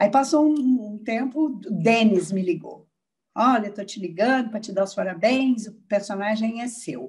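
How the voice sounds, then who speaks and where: Somewhat breathy and fairly high-pitched, a woman speaks fairly slowly with ordinary pitch variation and big swings in loudness. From Minas Gerais, Brazil. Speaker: actress. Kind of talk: interview. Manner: animated storytelling.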